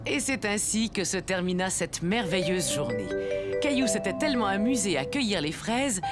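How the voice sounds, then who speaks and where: Expressive woman as children's story narrator. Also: mid-range voice, normal speed, natural voice. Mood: warm storytelling. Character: warm storybook narrator of a preschool cartoon. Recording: music under the voice.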